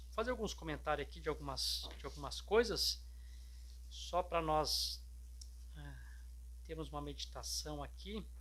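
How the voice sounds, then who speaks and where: Amid audible room echo, a man with a very deep, low pitch talks in a monotone, flat intonation at a fairly slow pace with long, frequent pauses. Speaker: preacher. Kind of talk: sermon. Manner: calm, restrained.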